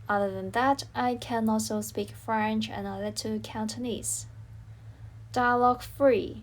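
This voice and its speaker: A woman presenting a scripted language lesson as teacher, saying words and phrases one by one in a deliberate, carefully separated way. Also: medium pitch.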